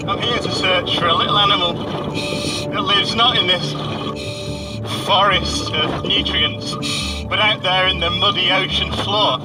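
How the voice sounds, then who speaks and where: A man narrates a nature documentary as its presenter, with music prominent behind him. His delivery is measured and full of wonder, explaining things clearly as he goes. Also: sits high, fairly even intonation, low-quality recording. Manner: measured, marvelling. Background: prominent background music.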